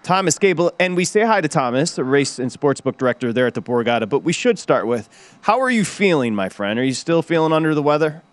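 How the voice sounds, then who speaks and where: A male radio host with a fairly high voice leads a sports betting show. His delivery is brisk and upbeat, jumping up and down in pitch as he tosses questions to his guests. The sound is dry and close to the mic. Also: sing-song, no echo.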